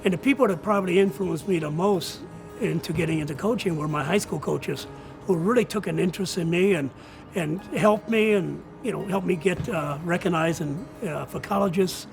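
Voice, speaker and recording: An older man with a high-pitched, gravelly voice answers interview questions as a coach. He is a non-native English speaker and talks earnestly, often repeating words as he goes, with faint music behind him. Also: moderate pace, low-quality recording. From outside the United States. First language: not English. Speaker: college soccer coach.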